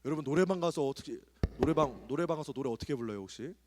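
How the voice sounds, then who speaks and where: Animated man preaching in a big church hall. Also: a little high, fast talker, background noise. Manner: animated preaching, swings from soft asides to loud calls to pray. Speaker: pastor. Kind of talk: sermon at a youth retreat. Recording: hall with long reverb.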